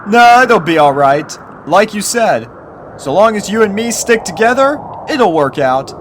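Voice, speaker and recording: A man puts on an easygoing young boy unicorn for a storybook. The voice is lifted well above a man's talk, bright and forceful, with a loyal, friendly-kid temper. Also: high-pitched, sing-song, measured pace, slight background noise, pitched above the performer's own voice, exaggerated voice. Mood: reassuring. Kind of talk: acted character voice in fan fiction reading.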